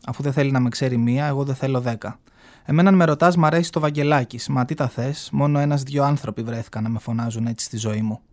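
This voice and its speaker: A man's voice: mid-range voice, steady tone, darkish tone, natural voice. Man reading as a brassy aging gay man, sassy, mocking, proud, novel read aloud, radio studio.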